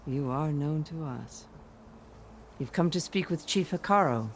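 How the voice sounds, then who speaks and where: A man acting a reverent tribal warrior in a video game, speaking in a formal, ceremonious, deliberate manner. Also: fairly high pitch, a little hiss or hum. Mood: awed, welcoming. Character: reverent, stately tribal warrior greeting a champion.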